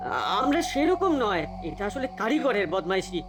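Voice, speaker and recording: A woman's voice: medium pitch, sing-song, moderate pace, a loud crowd. A woman voicing a cheeky, mischievous boy who likes wordplay in a comedy cartoon. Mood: worried. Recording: music behind the voice.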